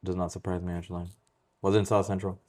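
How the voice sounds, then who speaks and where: Deep, hoarse man, casual chat. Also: flat delivery, quick pace, dark tone. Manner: loose and profane, peppered with Spanish phrases. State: hoarse, voice worn from singing.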